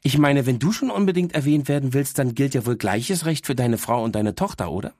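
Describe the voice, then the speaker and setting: A man's voice: medium pitch, animated, fairly quick, darkish tone, no echo, clean studio sound, pitched above the performer's own voice. A man voicing an opinionated young female talking dog, cheeky and sarcastic, in an audiobook. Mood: smug. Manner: cheeky, know-it-all, sarcastic. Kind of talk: audiobook character voice.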